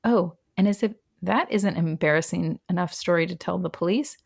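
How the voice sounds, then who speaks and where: A woman's voice: lowish voice, brisk, vocal fry. A woman hosting a podcast, recounting a true crime case in a chatty, wry way with frequent laughs. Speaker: podcast host. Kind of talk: casual true crime storytelling.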